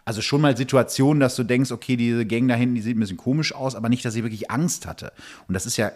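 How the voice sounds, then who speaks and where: A man's voice: medium pitch, fast talker. A man talking casually as a podcast guest, explaining things in a colloquial way and acting out little bits of dialogue. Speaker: podcast guest, true crime author. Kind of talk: casual conversational storytelling. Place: indoors at a table in a home.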